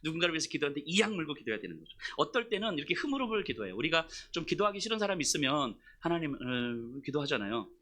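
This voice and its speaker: A male pastor giving an emotional, confessional sermon, moving between soft asides and loud outbursts. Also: on the high side, big pitch swings, very fast, hardly any pauses.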